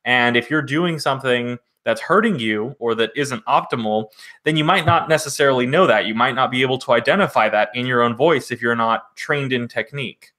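A man's voice: mid-range voice, fairly quick, sharp tone. A man who co-hosts as a vocal coach, explaining patiently with everyday examples in casual chat.

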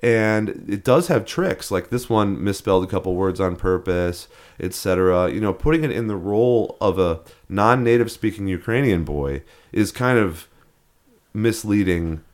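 A man's voice: fairly low pitch, normal speed. A man co-hosting a podcast in casual chat, rambling with frequent restarts and fillers. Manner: rambling, many restarts and fillers, laughs at odd names. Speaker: podcast co-host.

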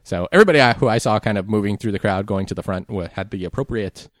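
A man's voice: lowish voice, fast talker, dry recording, studio quality. A man losing his voice a little, chatting casually and rambling a bit as a podcast co-host. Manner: rambling, laid-back, lots of ums. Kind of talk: casual chat recapping a race.

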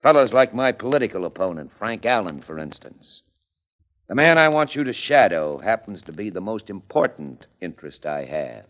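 A deep, blunt political boss; old radio play, unhurried menace. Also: male voice, sing-song, fairly bright tone. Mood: cocky. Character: tough male political boss, blunt and cocky. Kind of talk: 1940s radio drama acting.

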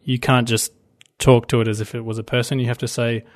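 Man, Australian accent, rapid speech, chatty, repeats words, casual tech chat. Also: mid-range voice, flat delivery.

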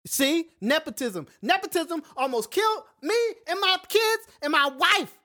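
A man's voice: very high voice, expressive, unhurried, bright, forceful tone, no echo, studio quality. A man co-hosting a podcast, chatting casually and joking with playful exaggeration. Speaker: podcast co-host.

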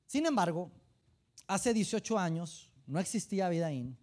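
A man with a Mexican accent, a pastor preaching a sermon who tells humorous stories and speaks straight to the congregation. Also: fairly high pitch. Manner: animated, humorous storytelling, direct address to the congregation.

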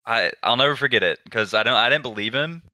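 A man in his twenties, a pro gamer guest, telling stories in a relaxed, low-key way with lots of fillers. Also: fast, no room sound. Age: 20s. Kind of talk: casual interview storytelling.

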